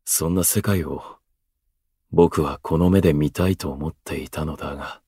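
Aloof theatrical observer, very low voice, florid pompous phrasing, voice drama, dry close sound. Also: male voice, fairly even intonation, warm tone, slightly rough, dry recording, heavily acted. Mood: wistful. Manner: pompous, florid, unhurried speech. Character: theatrical, aloof male station worker, eloquent observer. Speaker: voice actor. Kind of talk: Japanese voice drama acting.

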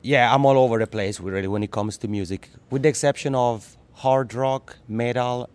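A man from the Italian-speaking part of Switzerland, Italian native speaker with a Swiss Italian accent, chatting as a podcast guest in a lively way, often restarting words. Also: medium pitch, moderate pace, clean tone. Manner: lively, laughs easily, repeats words when restarting. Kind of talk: casual interview.

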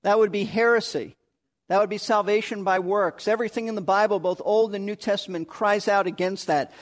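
A man's voice: high-pitched, steady tone, a little fast. A male pastor preaching a sermon in an earnest way, often repeating a word as he stresses a point.

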